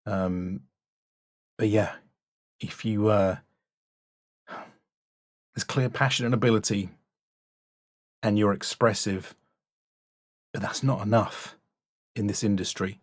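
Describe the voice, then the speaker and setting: A man with a fairly low voice speaks as a coach reviewing someone's work. He is frank and emphatic but encouraging, pausing to press his points. The sound is dry, with very little room. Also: fairly even intonation, no room sound. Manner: blunt but encouraging, emphatic, deliberate pauses. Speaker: voice-over demo coach and reviewer. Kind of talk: spoken critique and coaching.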